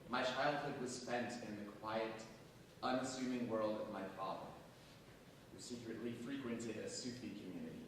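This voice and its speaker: An actor playing a sardonic, defiant imprisoned militant in a theatrical staged reading, declamatory and deliberate. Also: male voice, close to an everyday voice. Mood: grave, defiant. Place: large echoing hall, staged reading. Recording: very echoey hall, distant mic, faint rumble.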